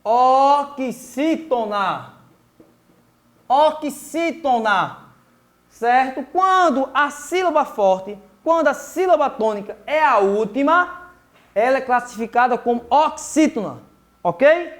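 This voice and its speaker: Brazilian guy teaching kids online, kinda high voice, takes it slow, repeats stuff, keeps saying ok. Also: expressive, a bit bright. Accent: Brazilian Portuguese. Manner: slow and patient, repeats words, checks in with "tá?" and "ok?". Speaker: primary school teacher. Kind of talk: remote grammar lesson for children.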